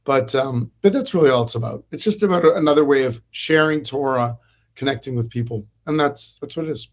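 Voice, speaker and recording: A man's voice: mid-range voice, brisk. A middle-aged man, a rabbi, talking in a podcast interview, telling stories and teaching with many restarts and fillers. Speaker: rabbi and podcast host, guest.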